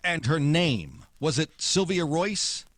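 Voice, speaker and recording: An actor playing a hard-boiled American private detective in 1940s noir radio style, wry, clipped and dogged. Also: male voice, fairly high pitch, big pitch swings, slow, fairly bright tone, no echo, exaggerated voice. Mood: polite, probing. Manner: wry, clipped, tough-talking. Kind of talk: 1940s noir radio drama acting and narration.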